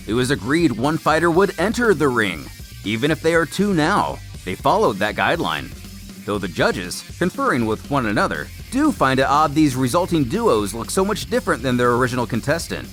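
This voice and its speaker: A man delivers scripted recap narration with a theatrical storyteller's flair. His voice sits on the high side and swings very widely in pitch, over a music bed. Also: a bit bright. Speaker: narrator of a comic recap series.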